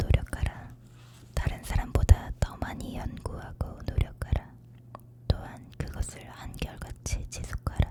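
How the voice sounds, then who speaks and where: Noticeable background noise fills the clip. The whispering moves along at a very slow pace. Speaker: online lecturer and ASMR channel host. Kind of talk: ASMR audiobook reading, bedtime whisper. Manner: whispered, soft, slow.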